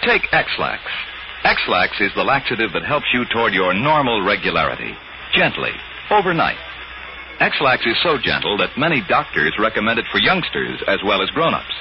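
A man's voice: fairly low pitch, sing-song, normal speed, highs cut off, music in the background. A man reading a chipper 1950s radio commercial with a polished, emphatic salesman delivery, on an old broadcast recording. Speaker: commercial announcer.

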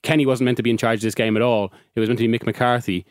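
A man's voice: medium pitch, steady tone, rapid-fire, no echo, clean studio sound. A man with an Irish accent talking football as a regular on a podcast, chatty, often restarting and laughing. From Ireland. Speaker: football journalist. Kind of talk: casual podcast discussion.

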